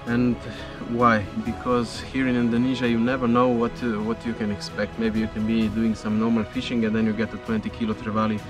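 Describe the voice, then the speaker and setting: A man's voice: lowish voice, completely flat delivery, brisk, hardly any pauses. A man in his thirties, an English speaker, explaining his spearfishing gear to the camera from a small boat out at sea, patient, with small grammar slips. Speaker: spearfishing vlogger. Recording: music underneath.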